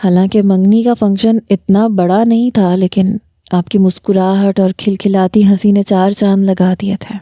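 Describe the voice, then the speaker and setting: A smitten young doctor pleads gently and persistently, as a woman narrator reads him out. The voice is soft and earnest with a mellow, warm tone, recorded dry and close. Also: mid-range voice, level tone, no echo, close to an everyday voice. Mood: pleading. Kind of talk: story narration.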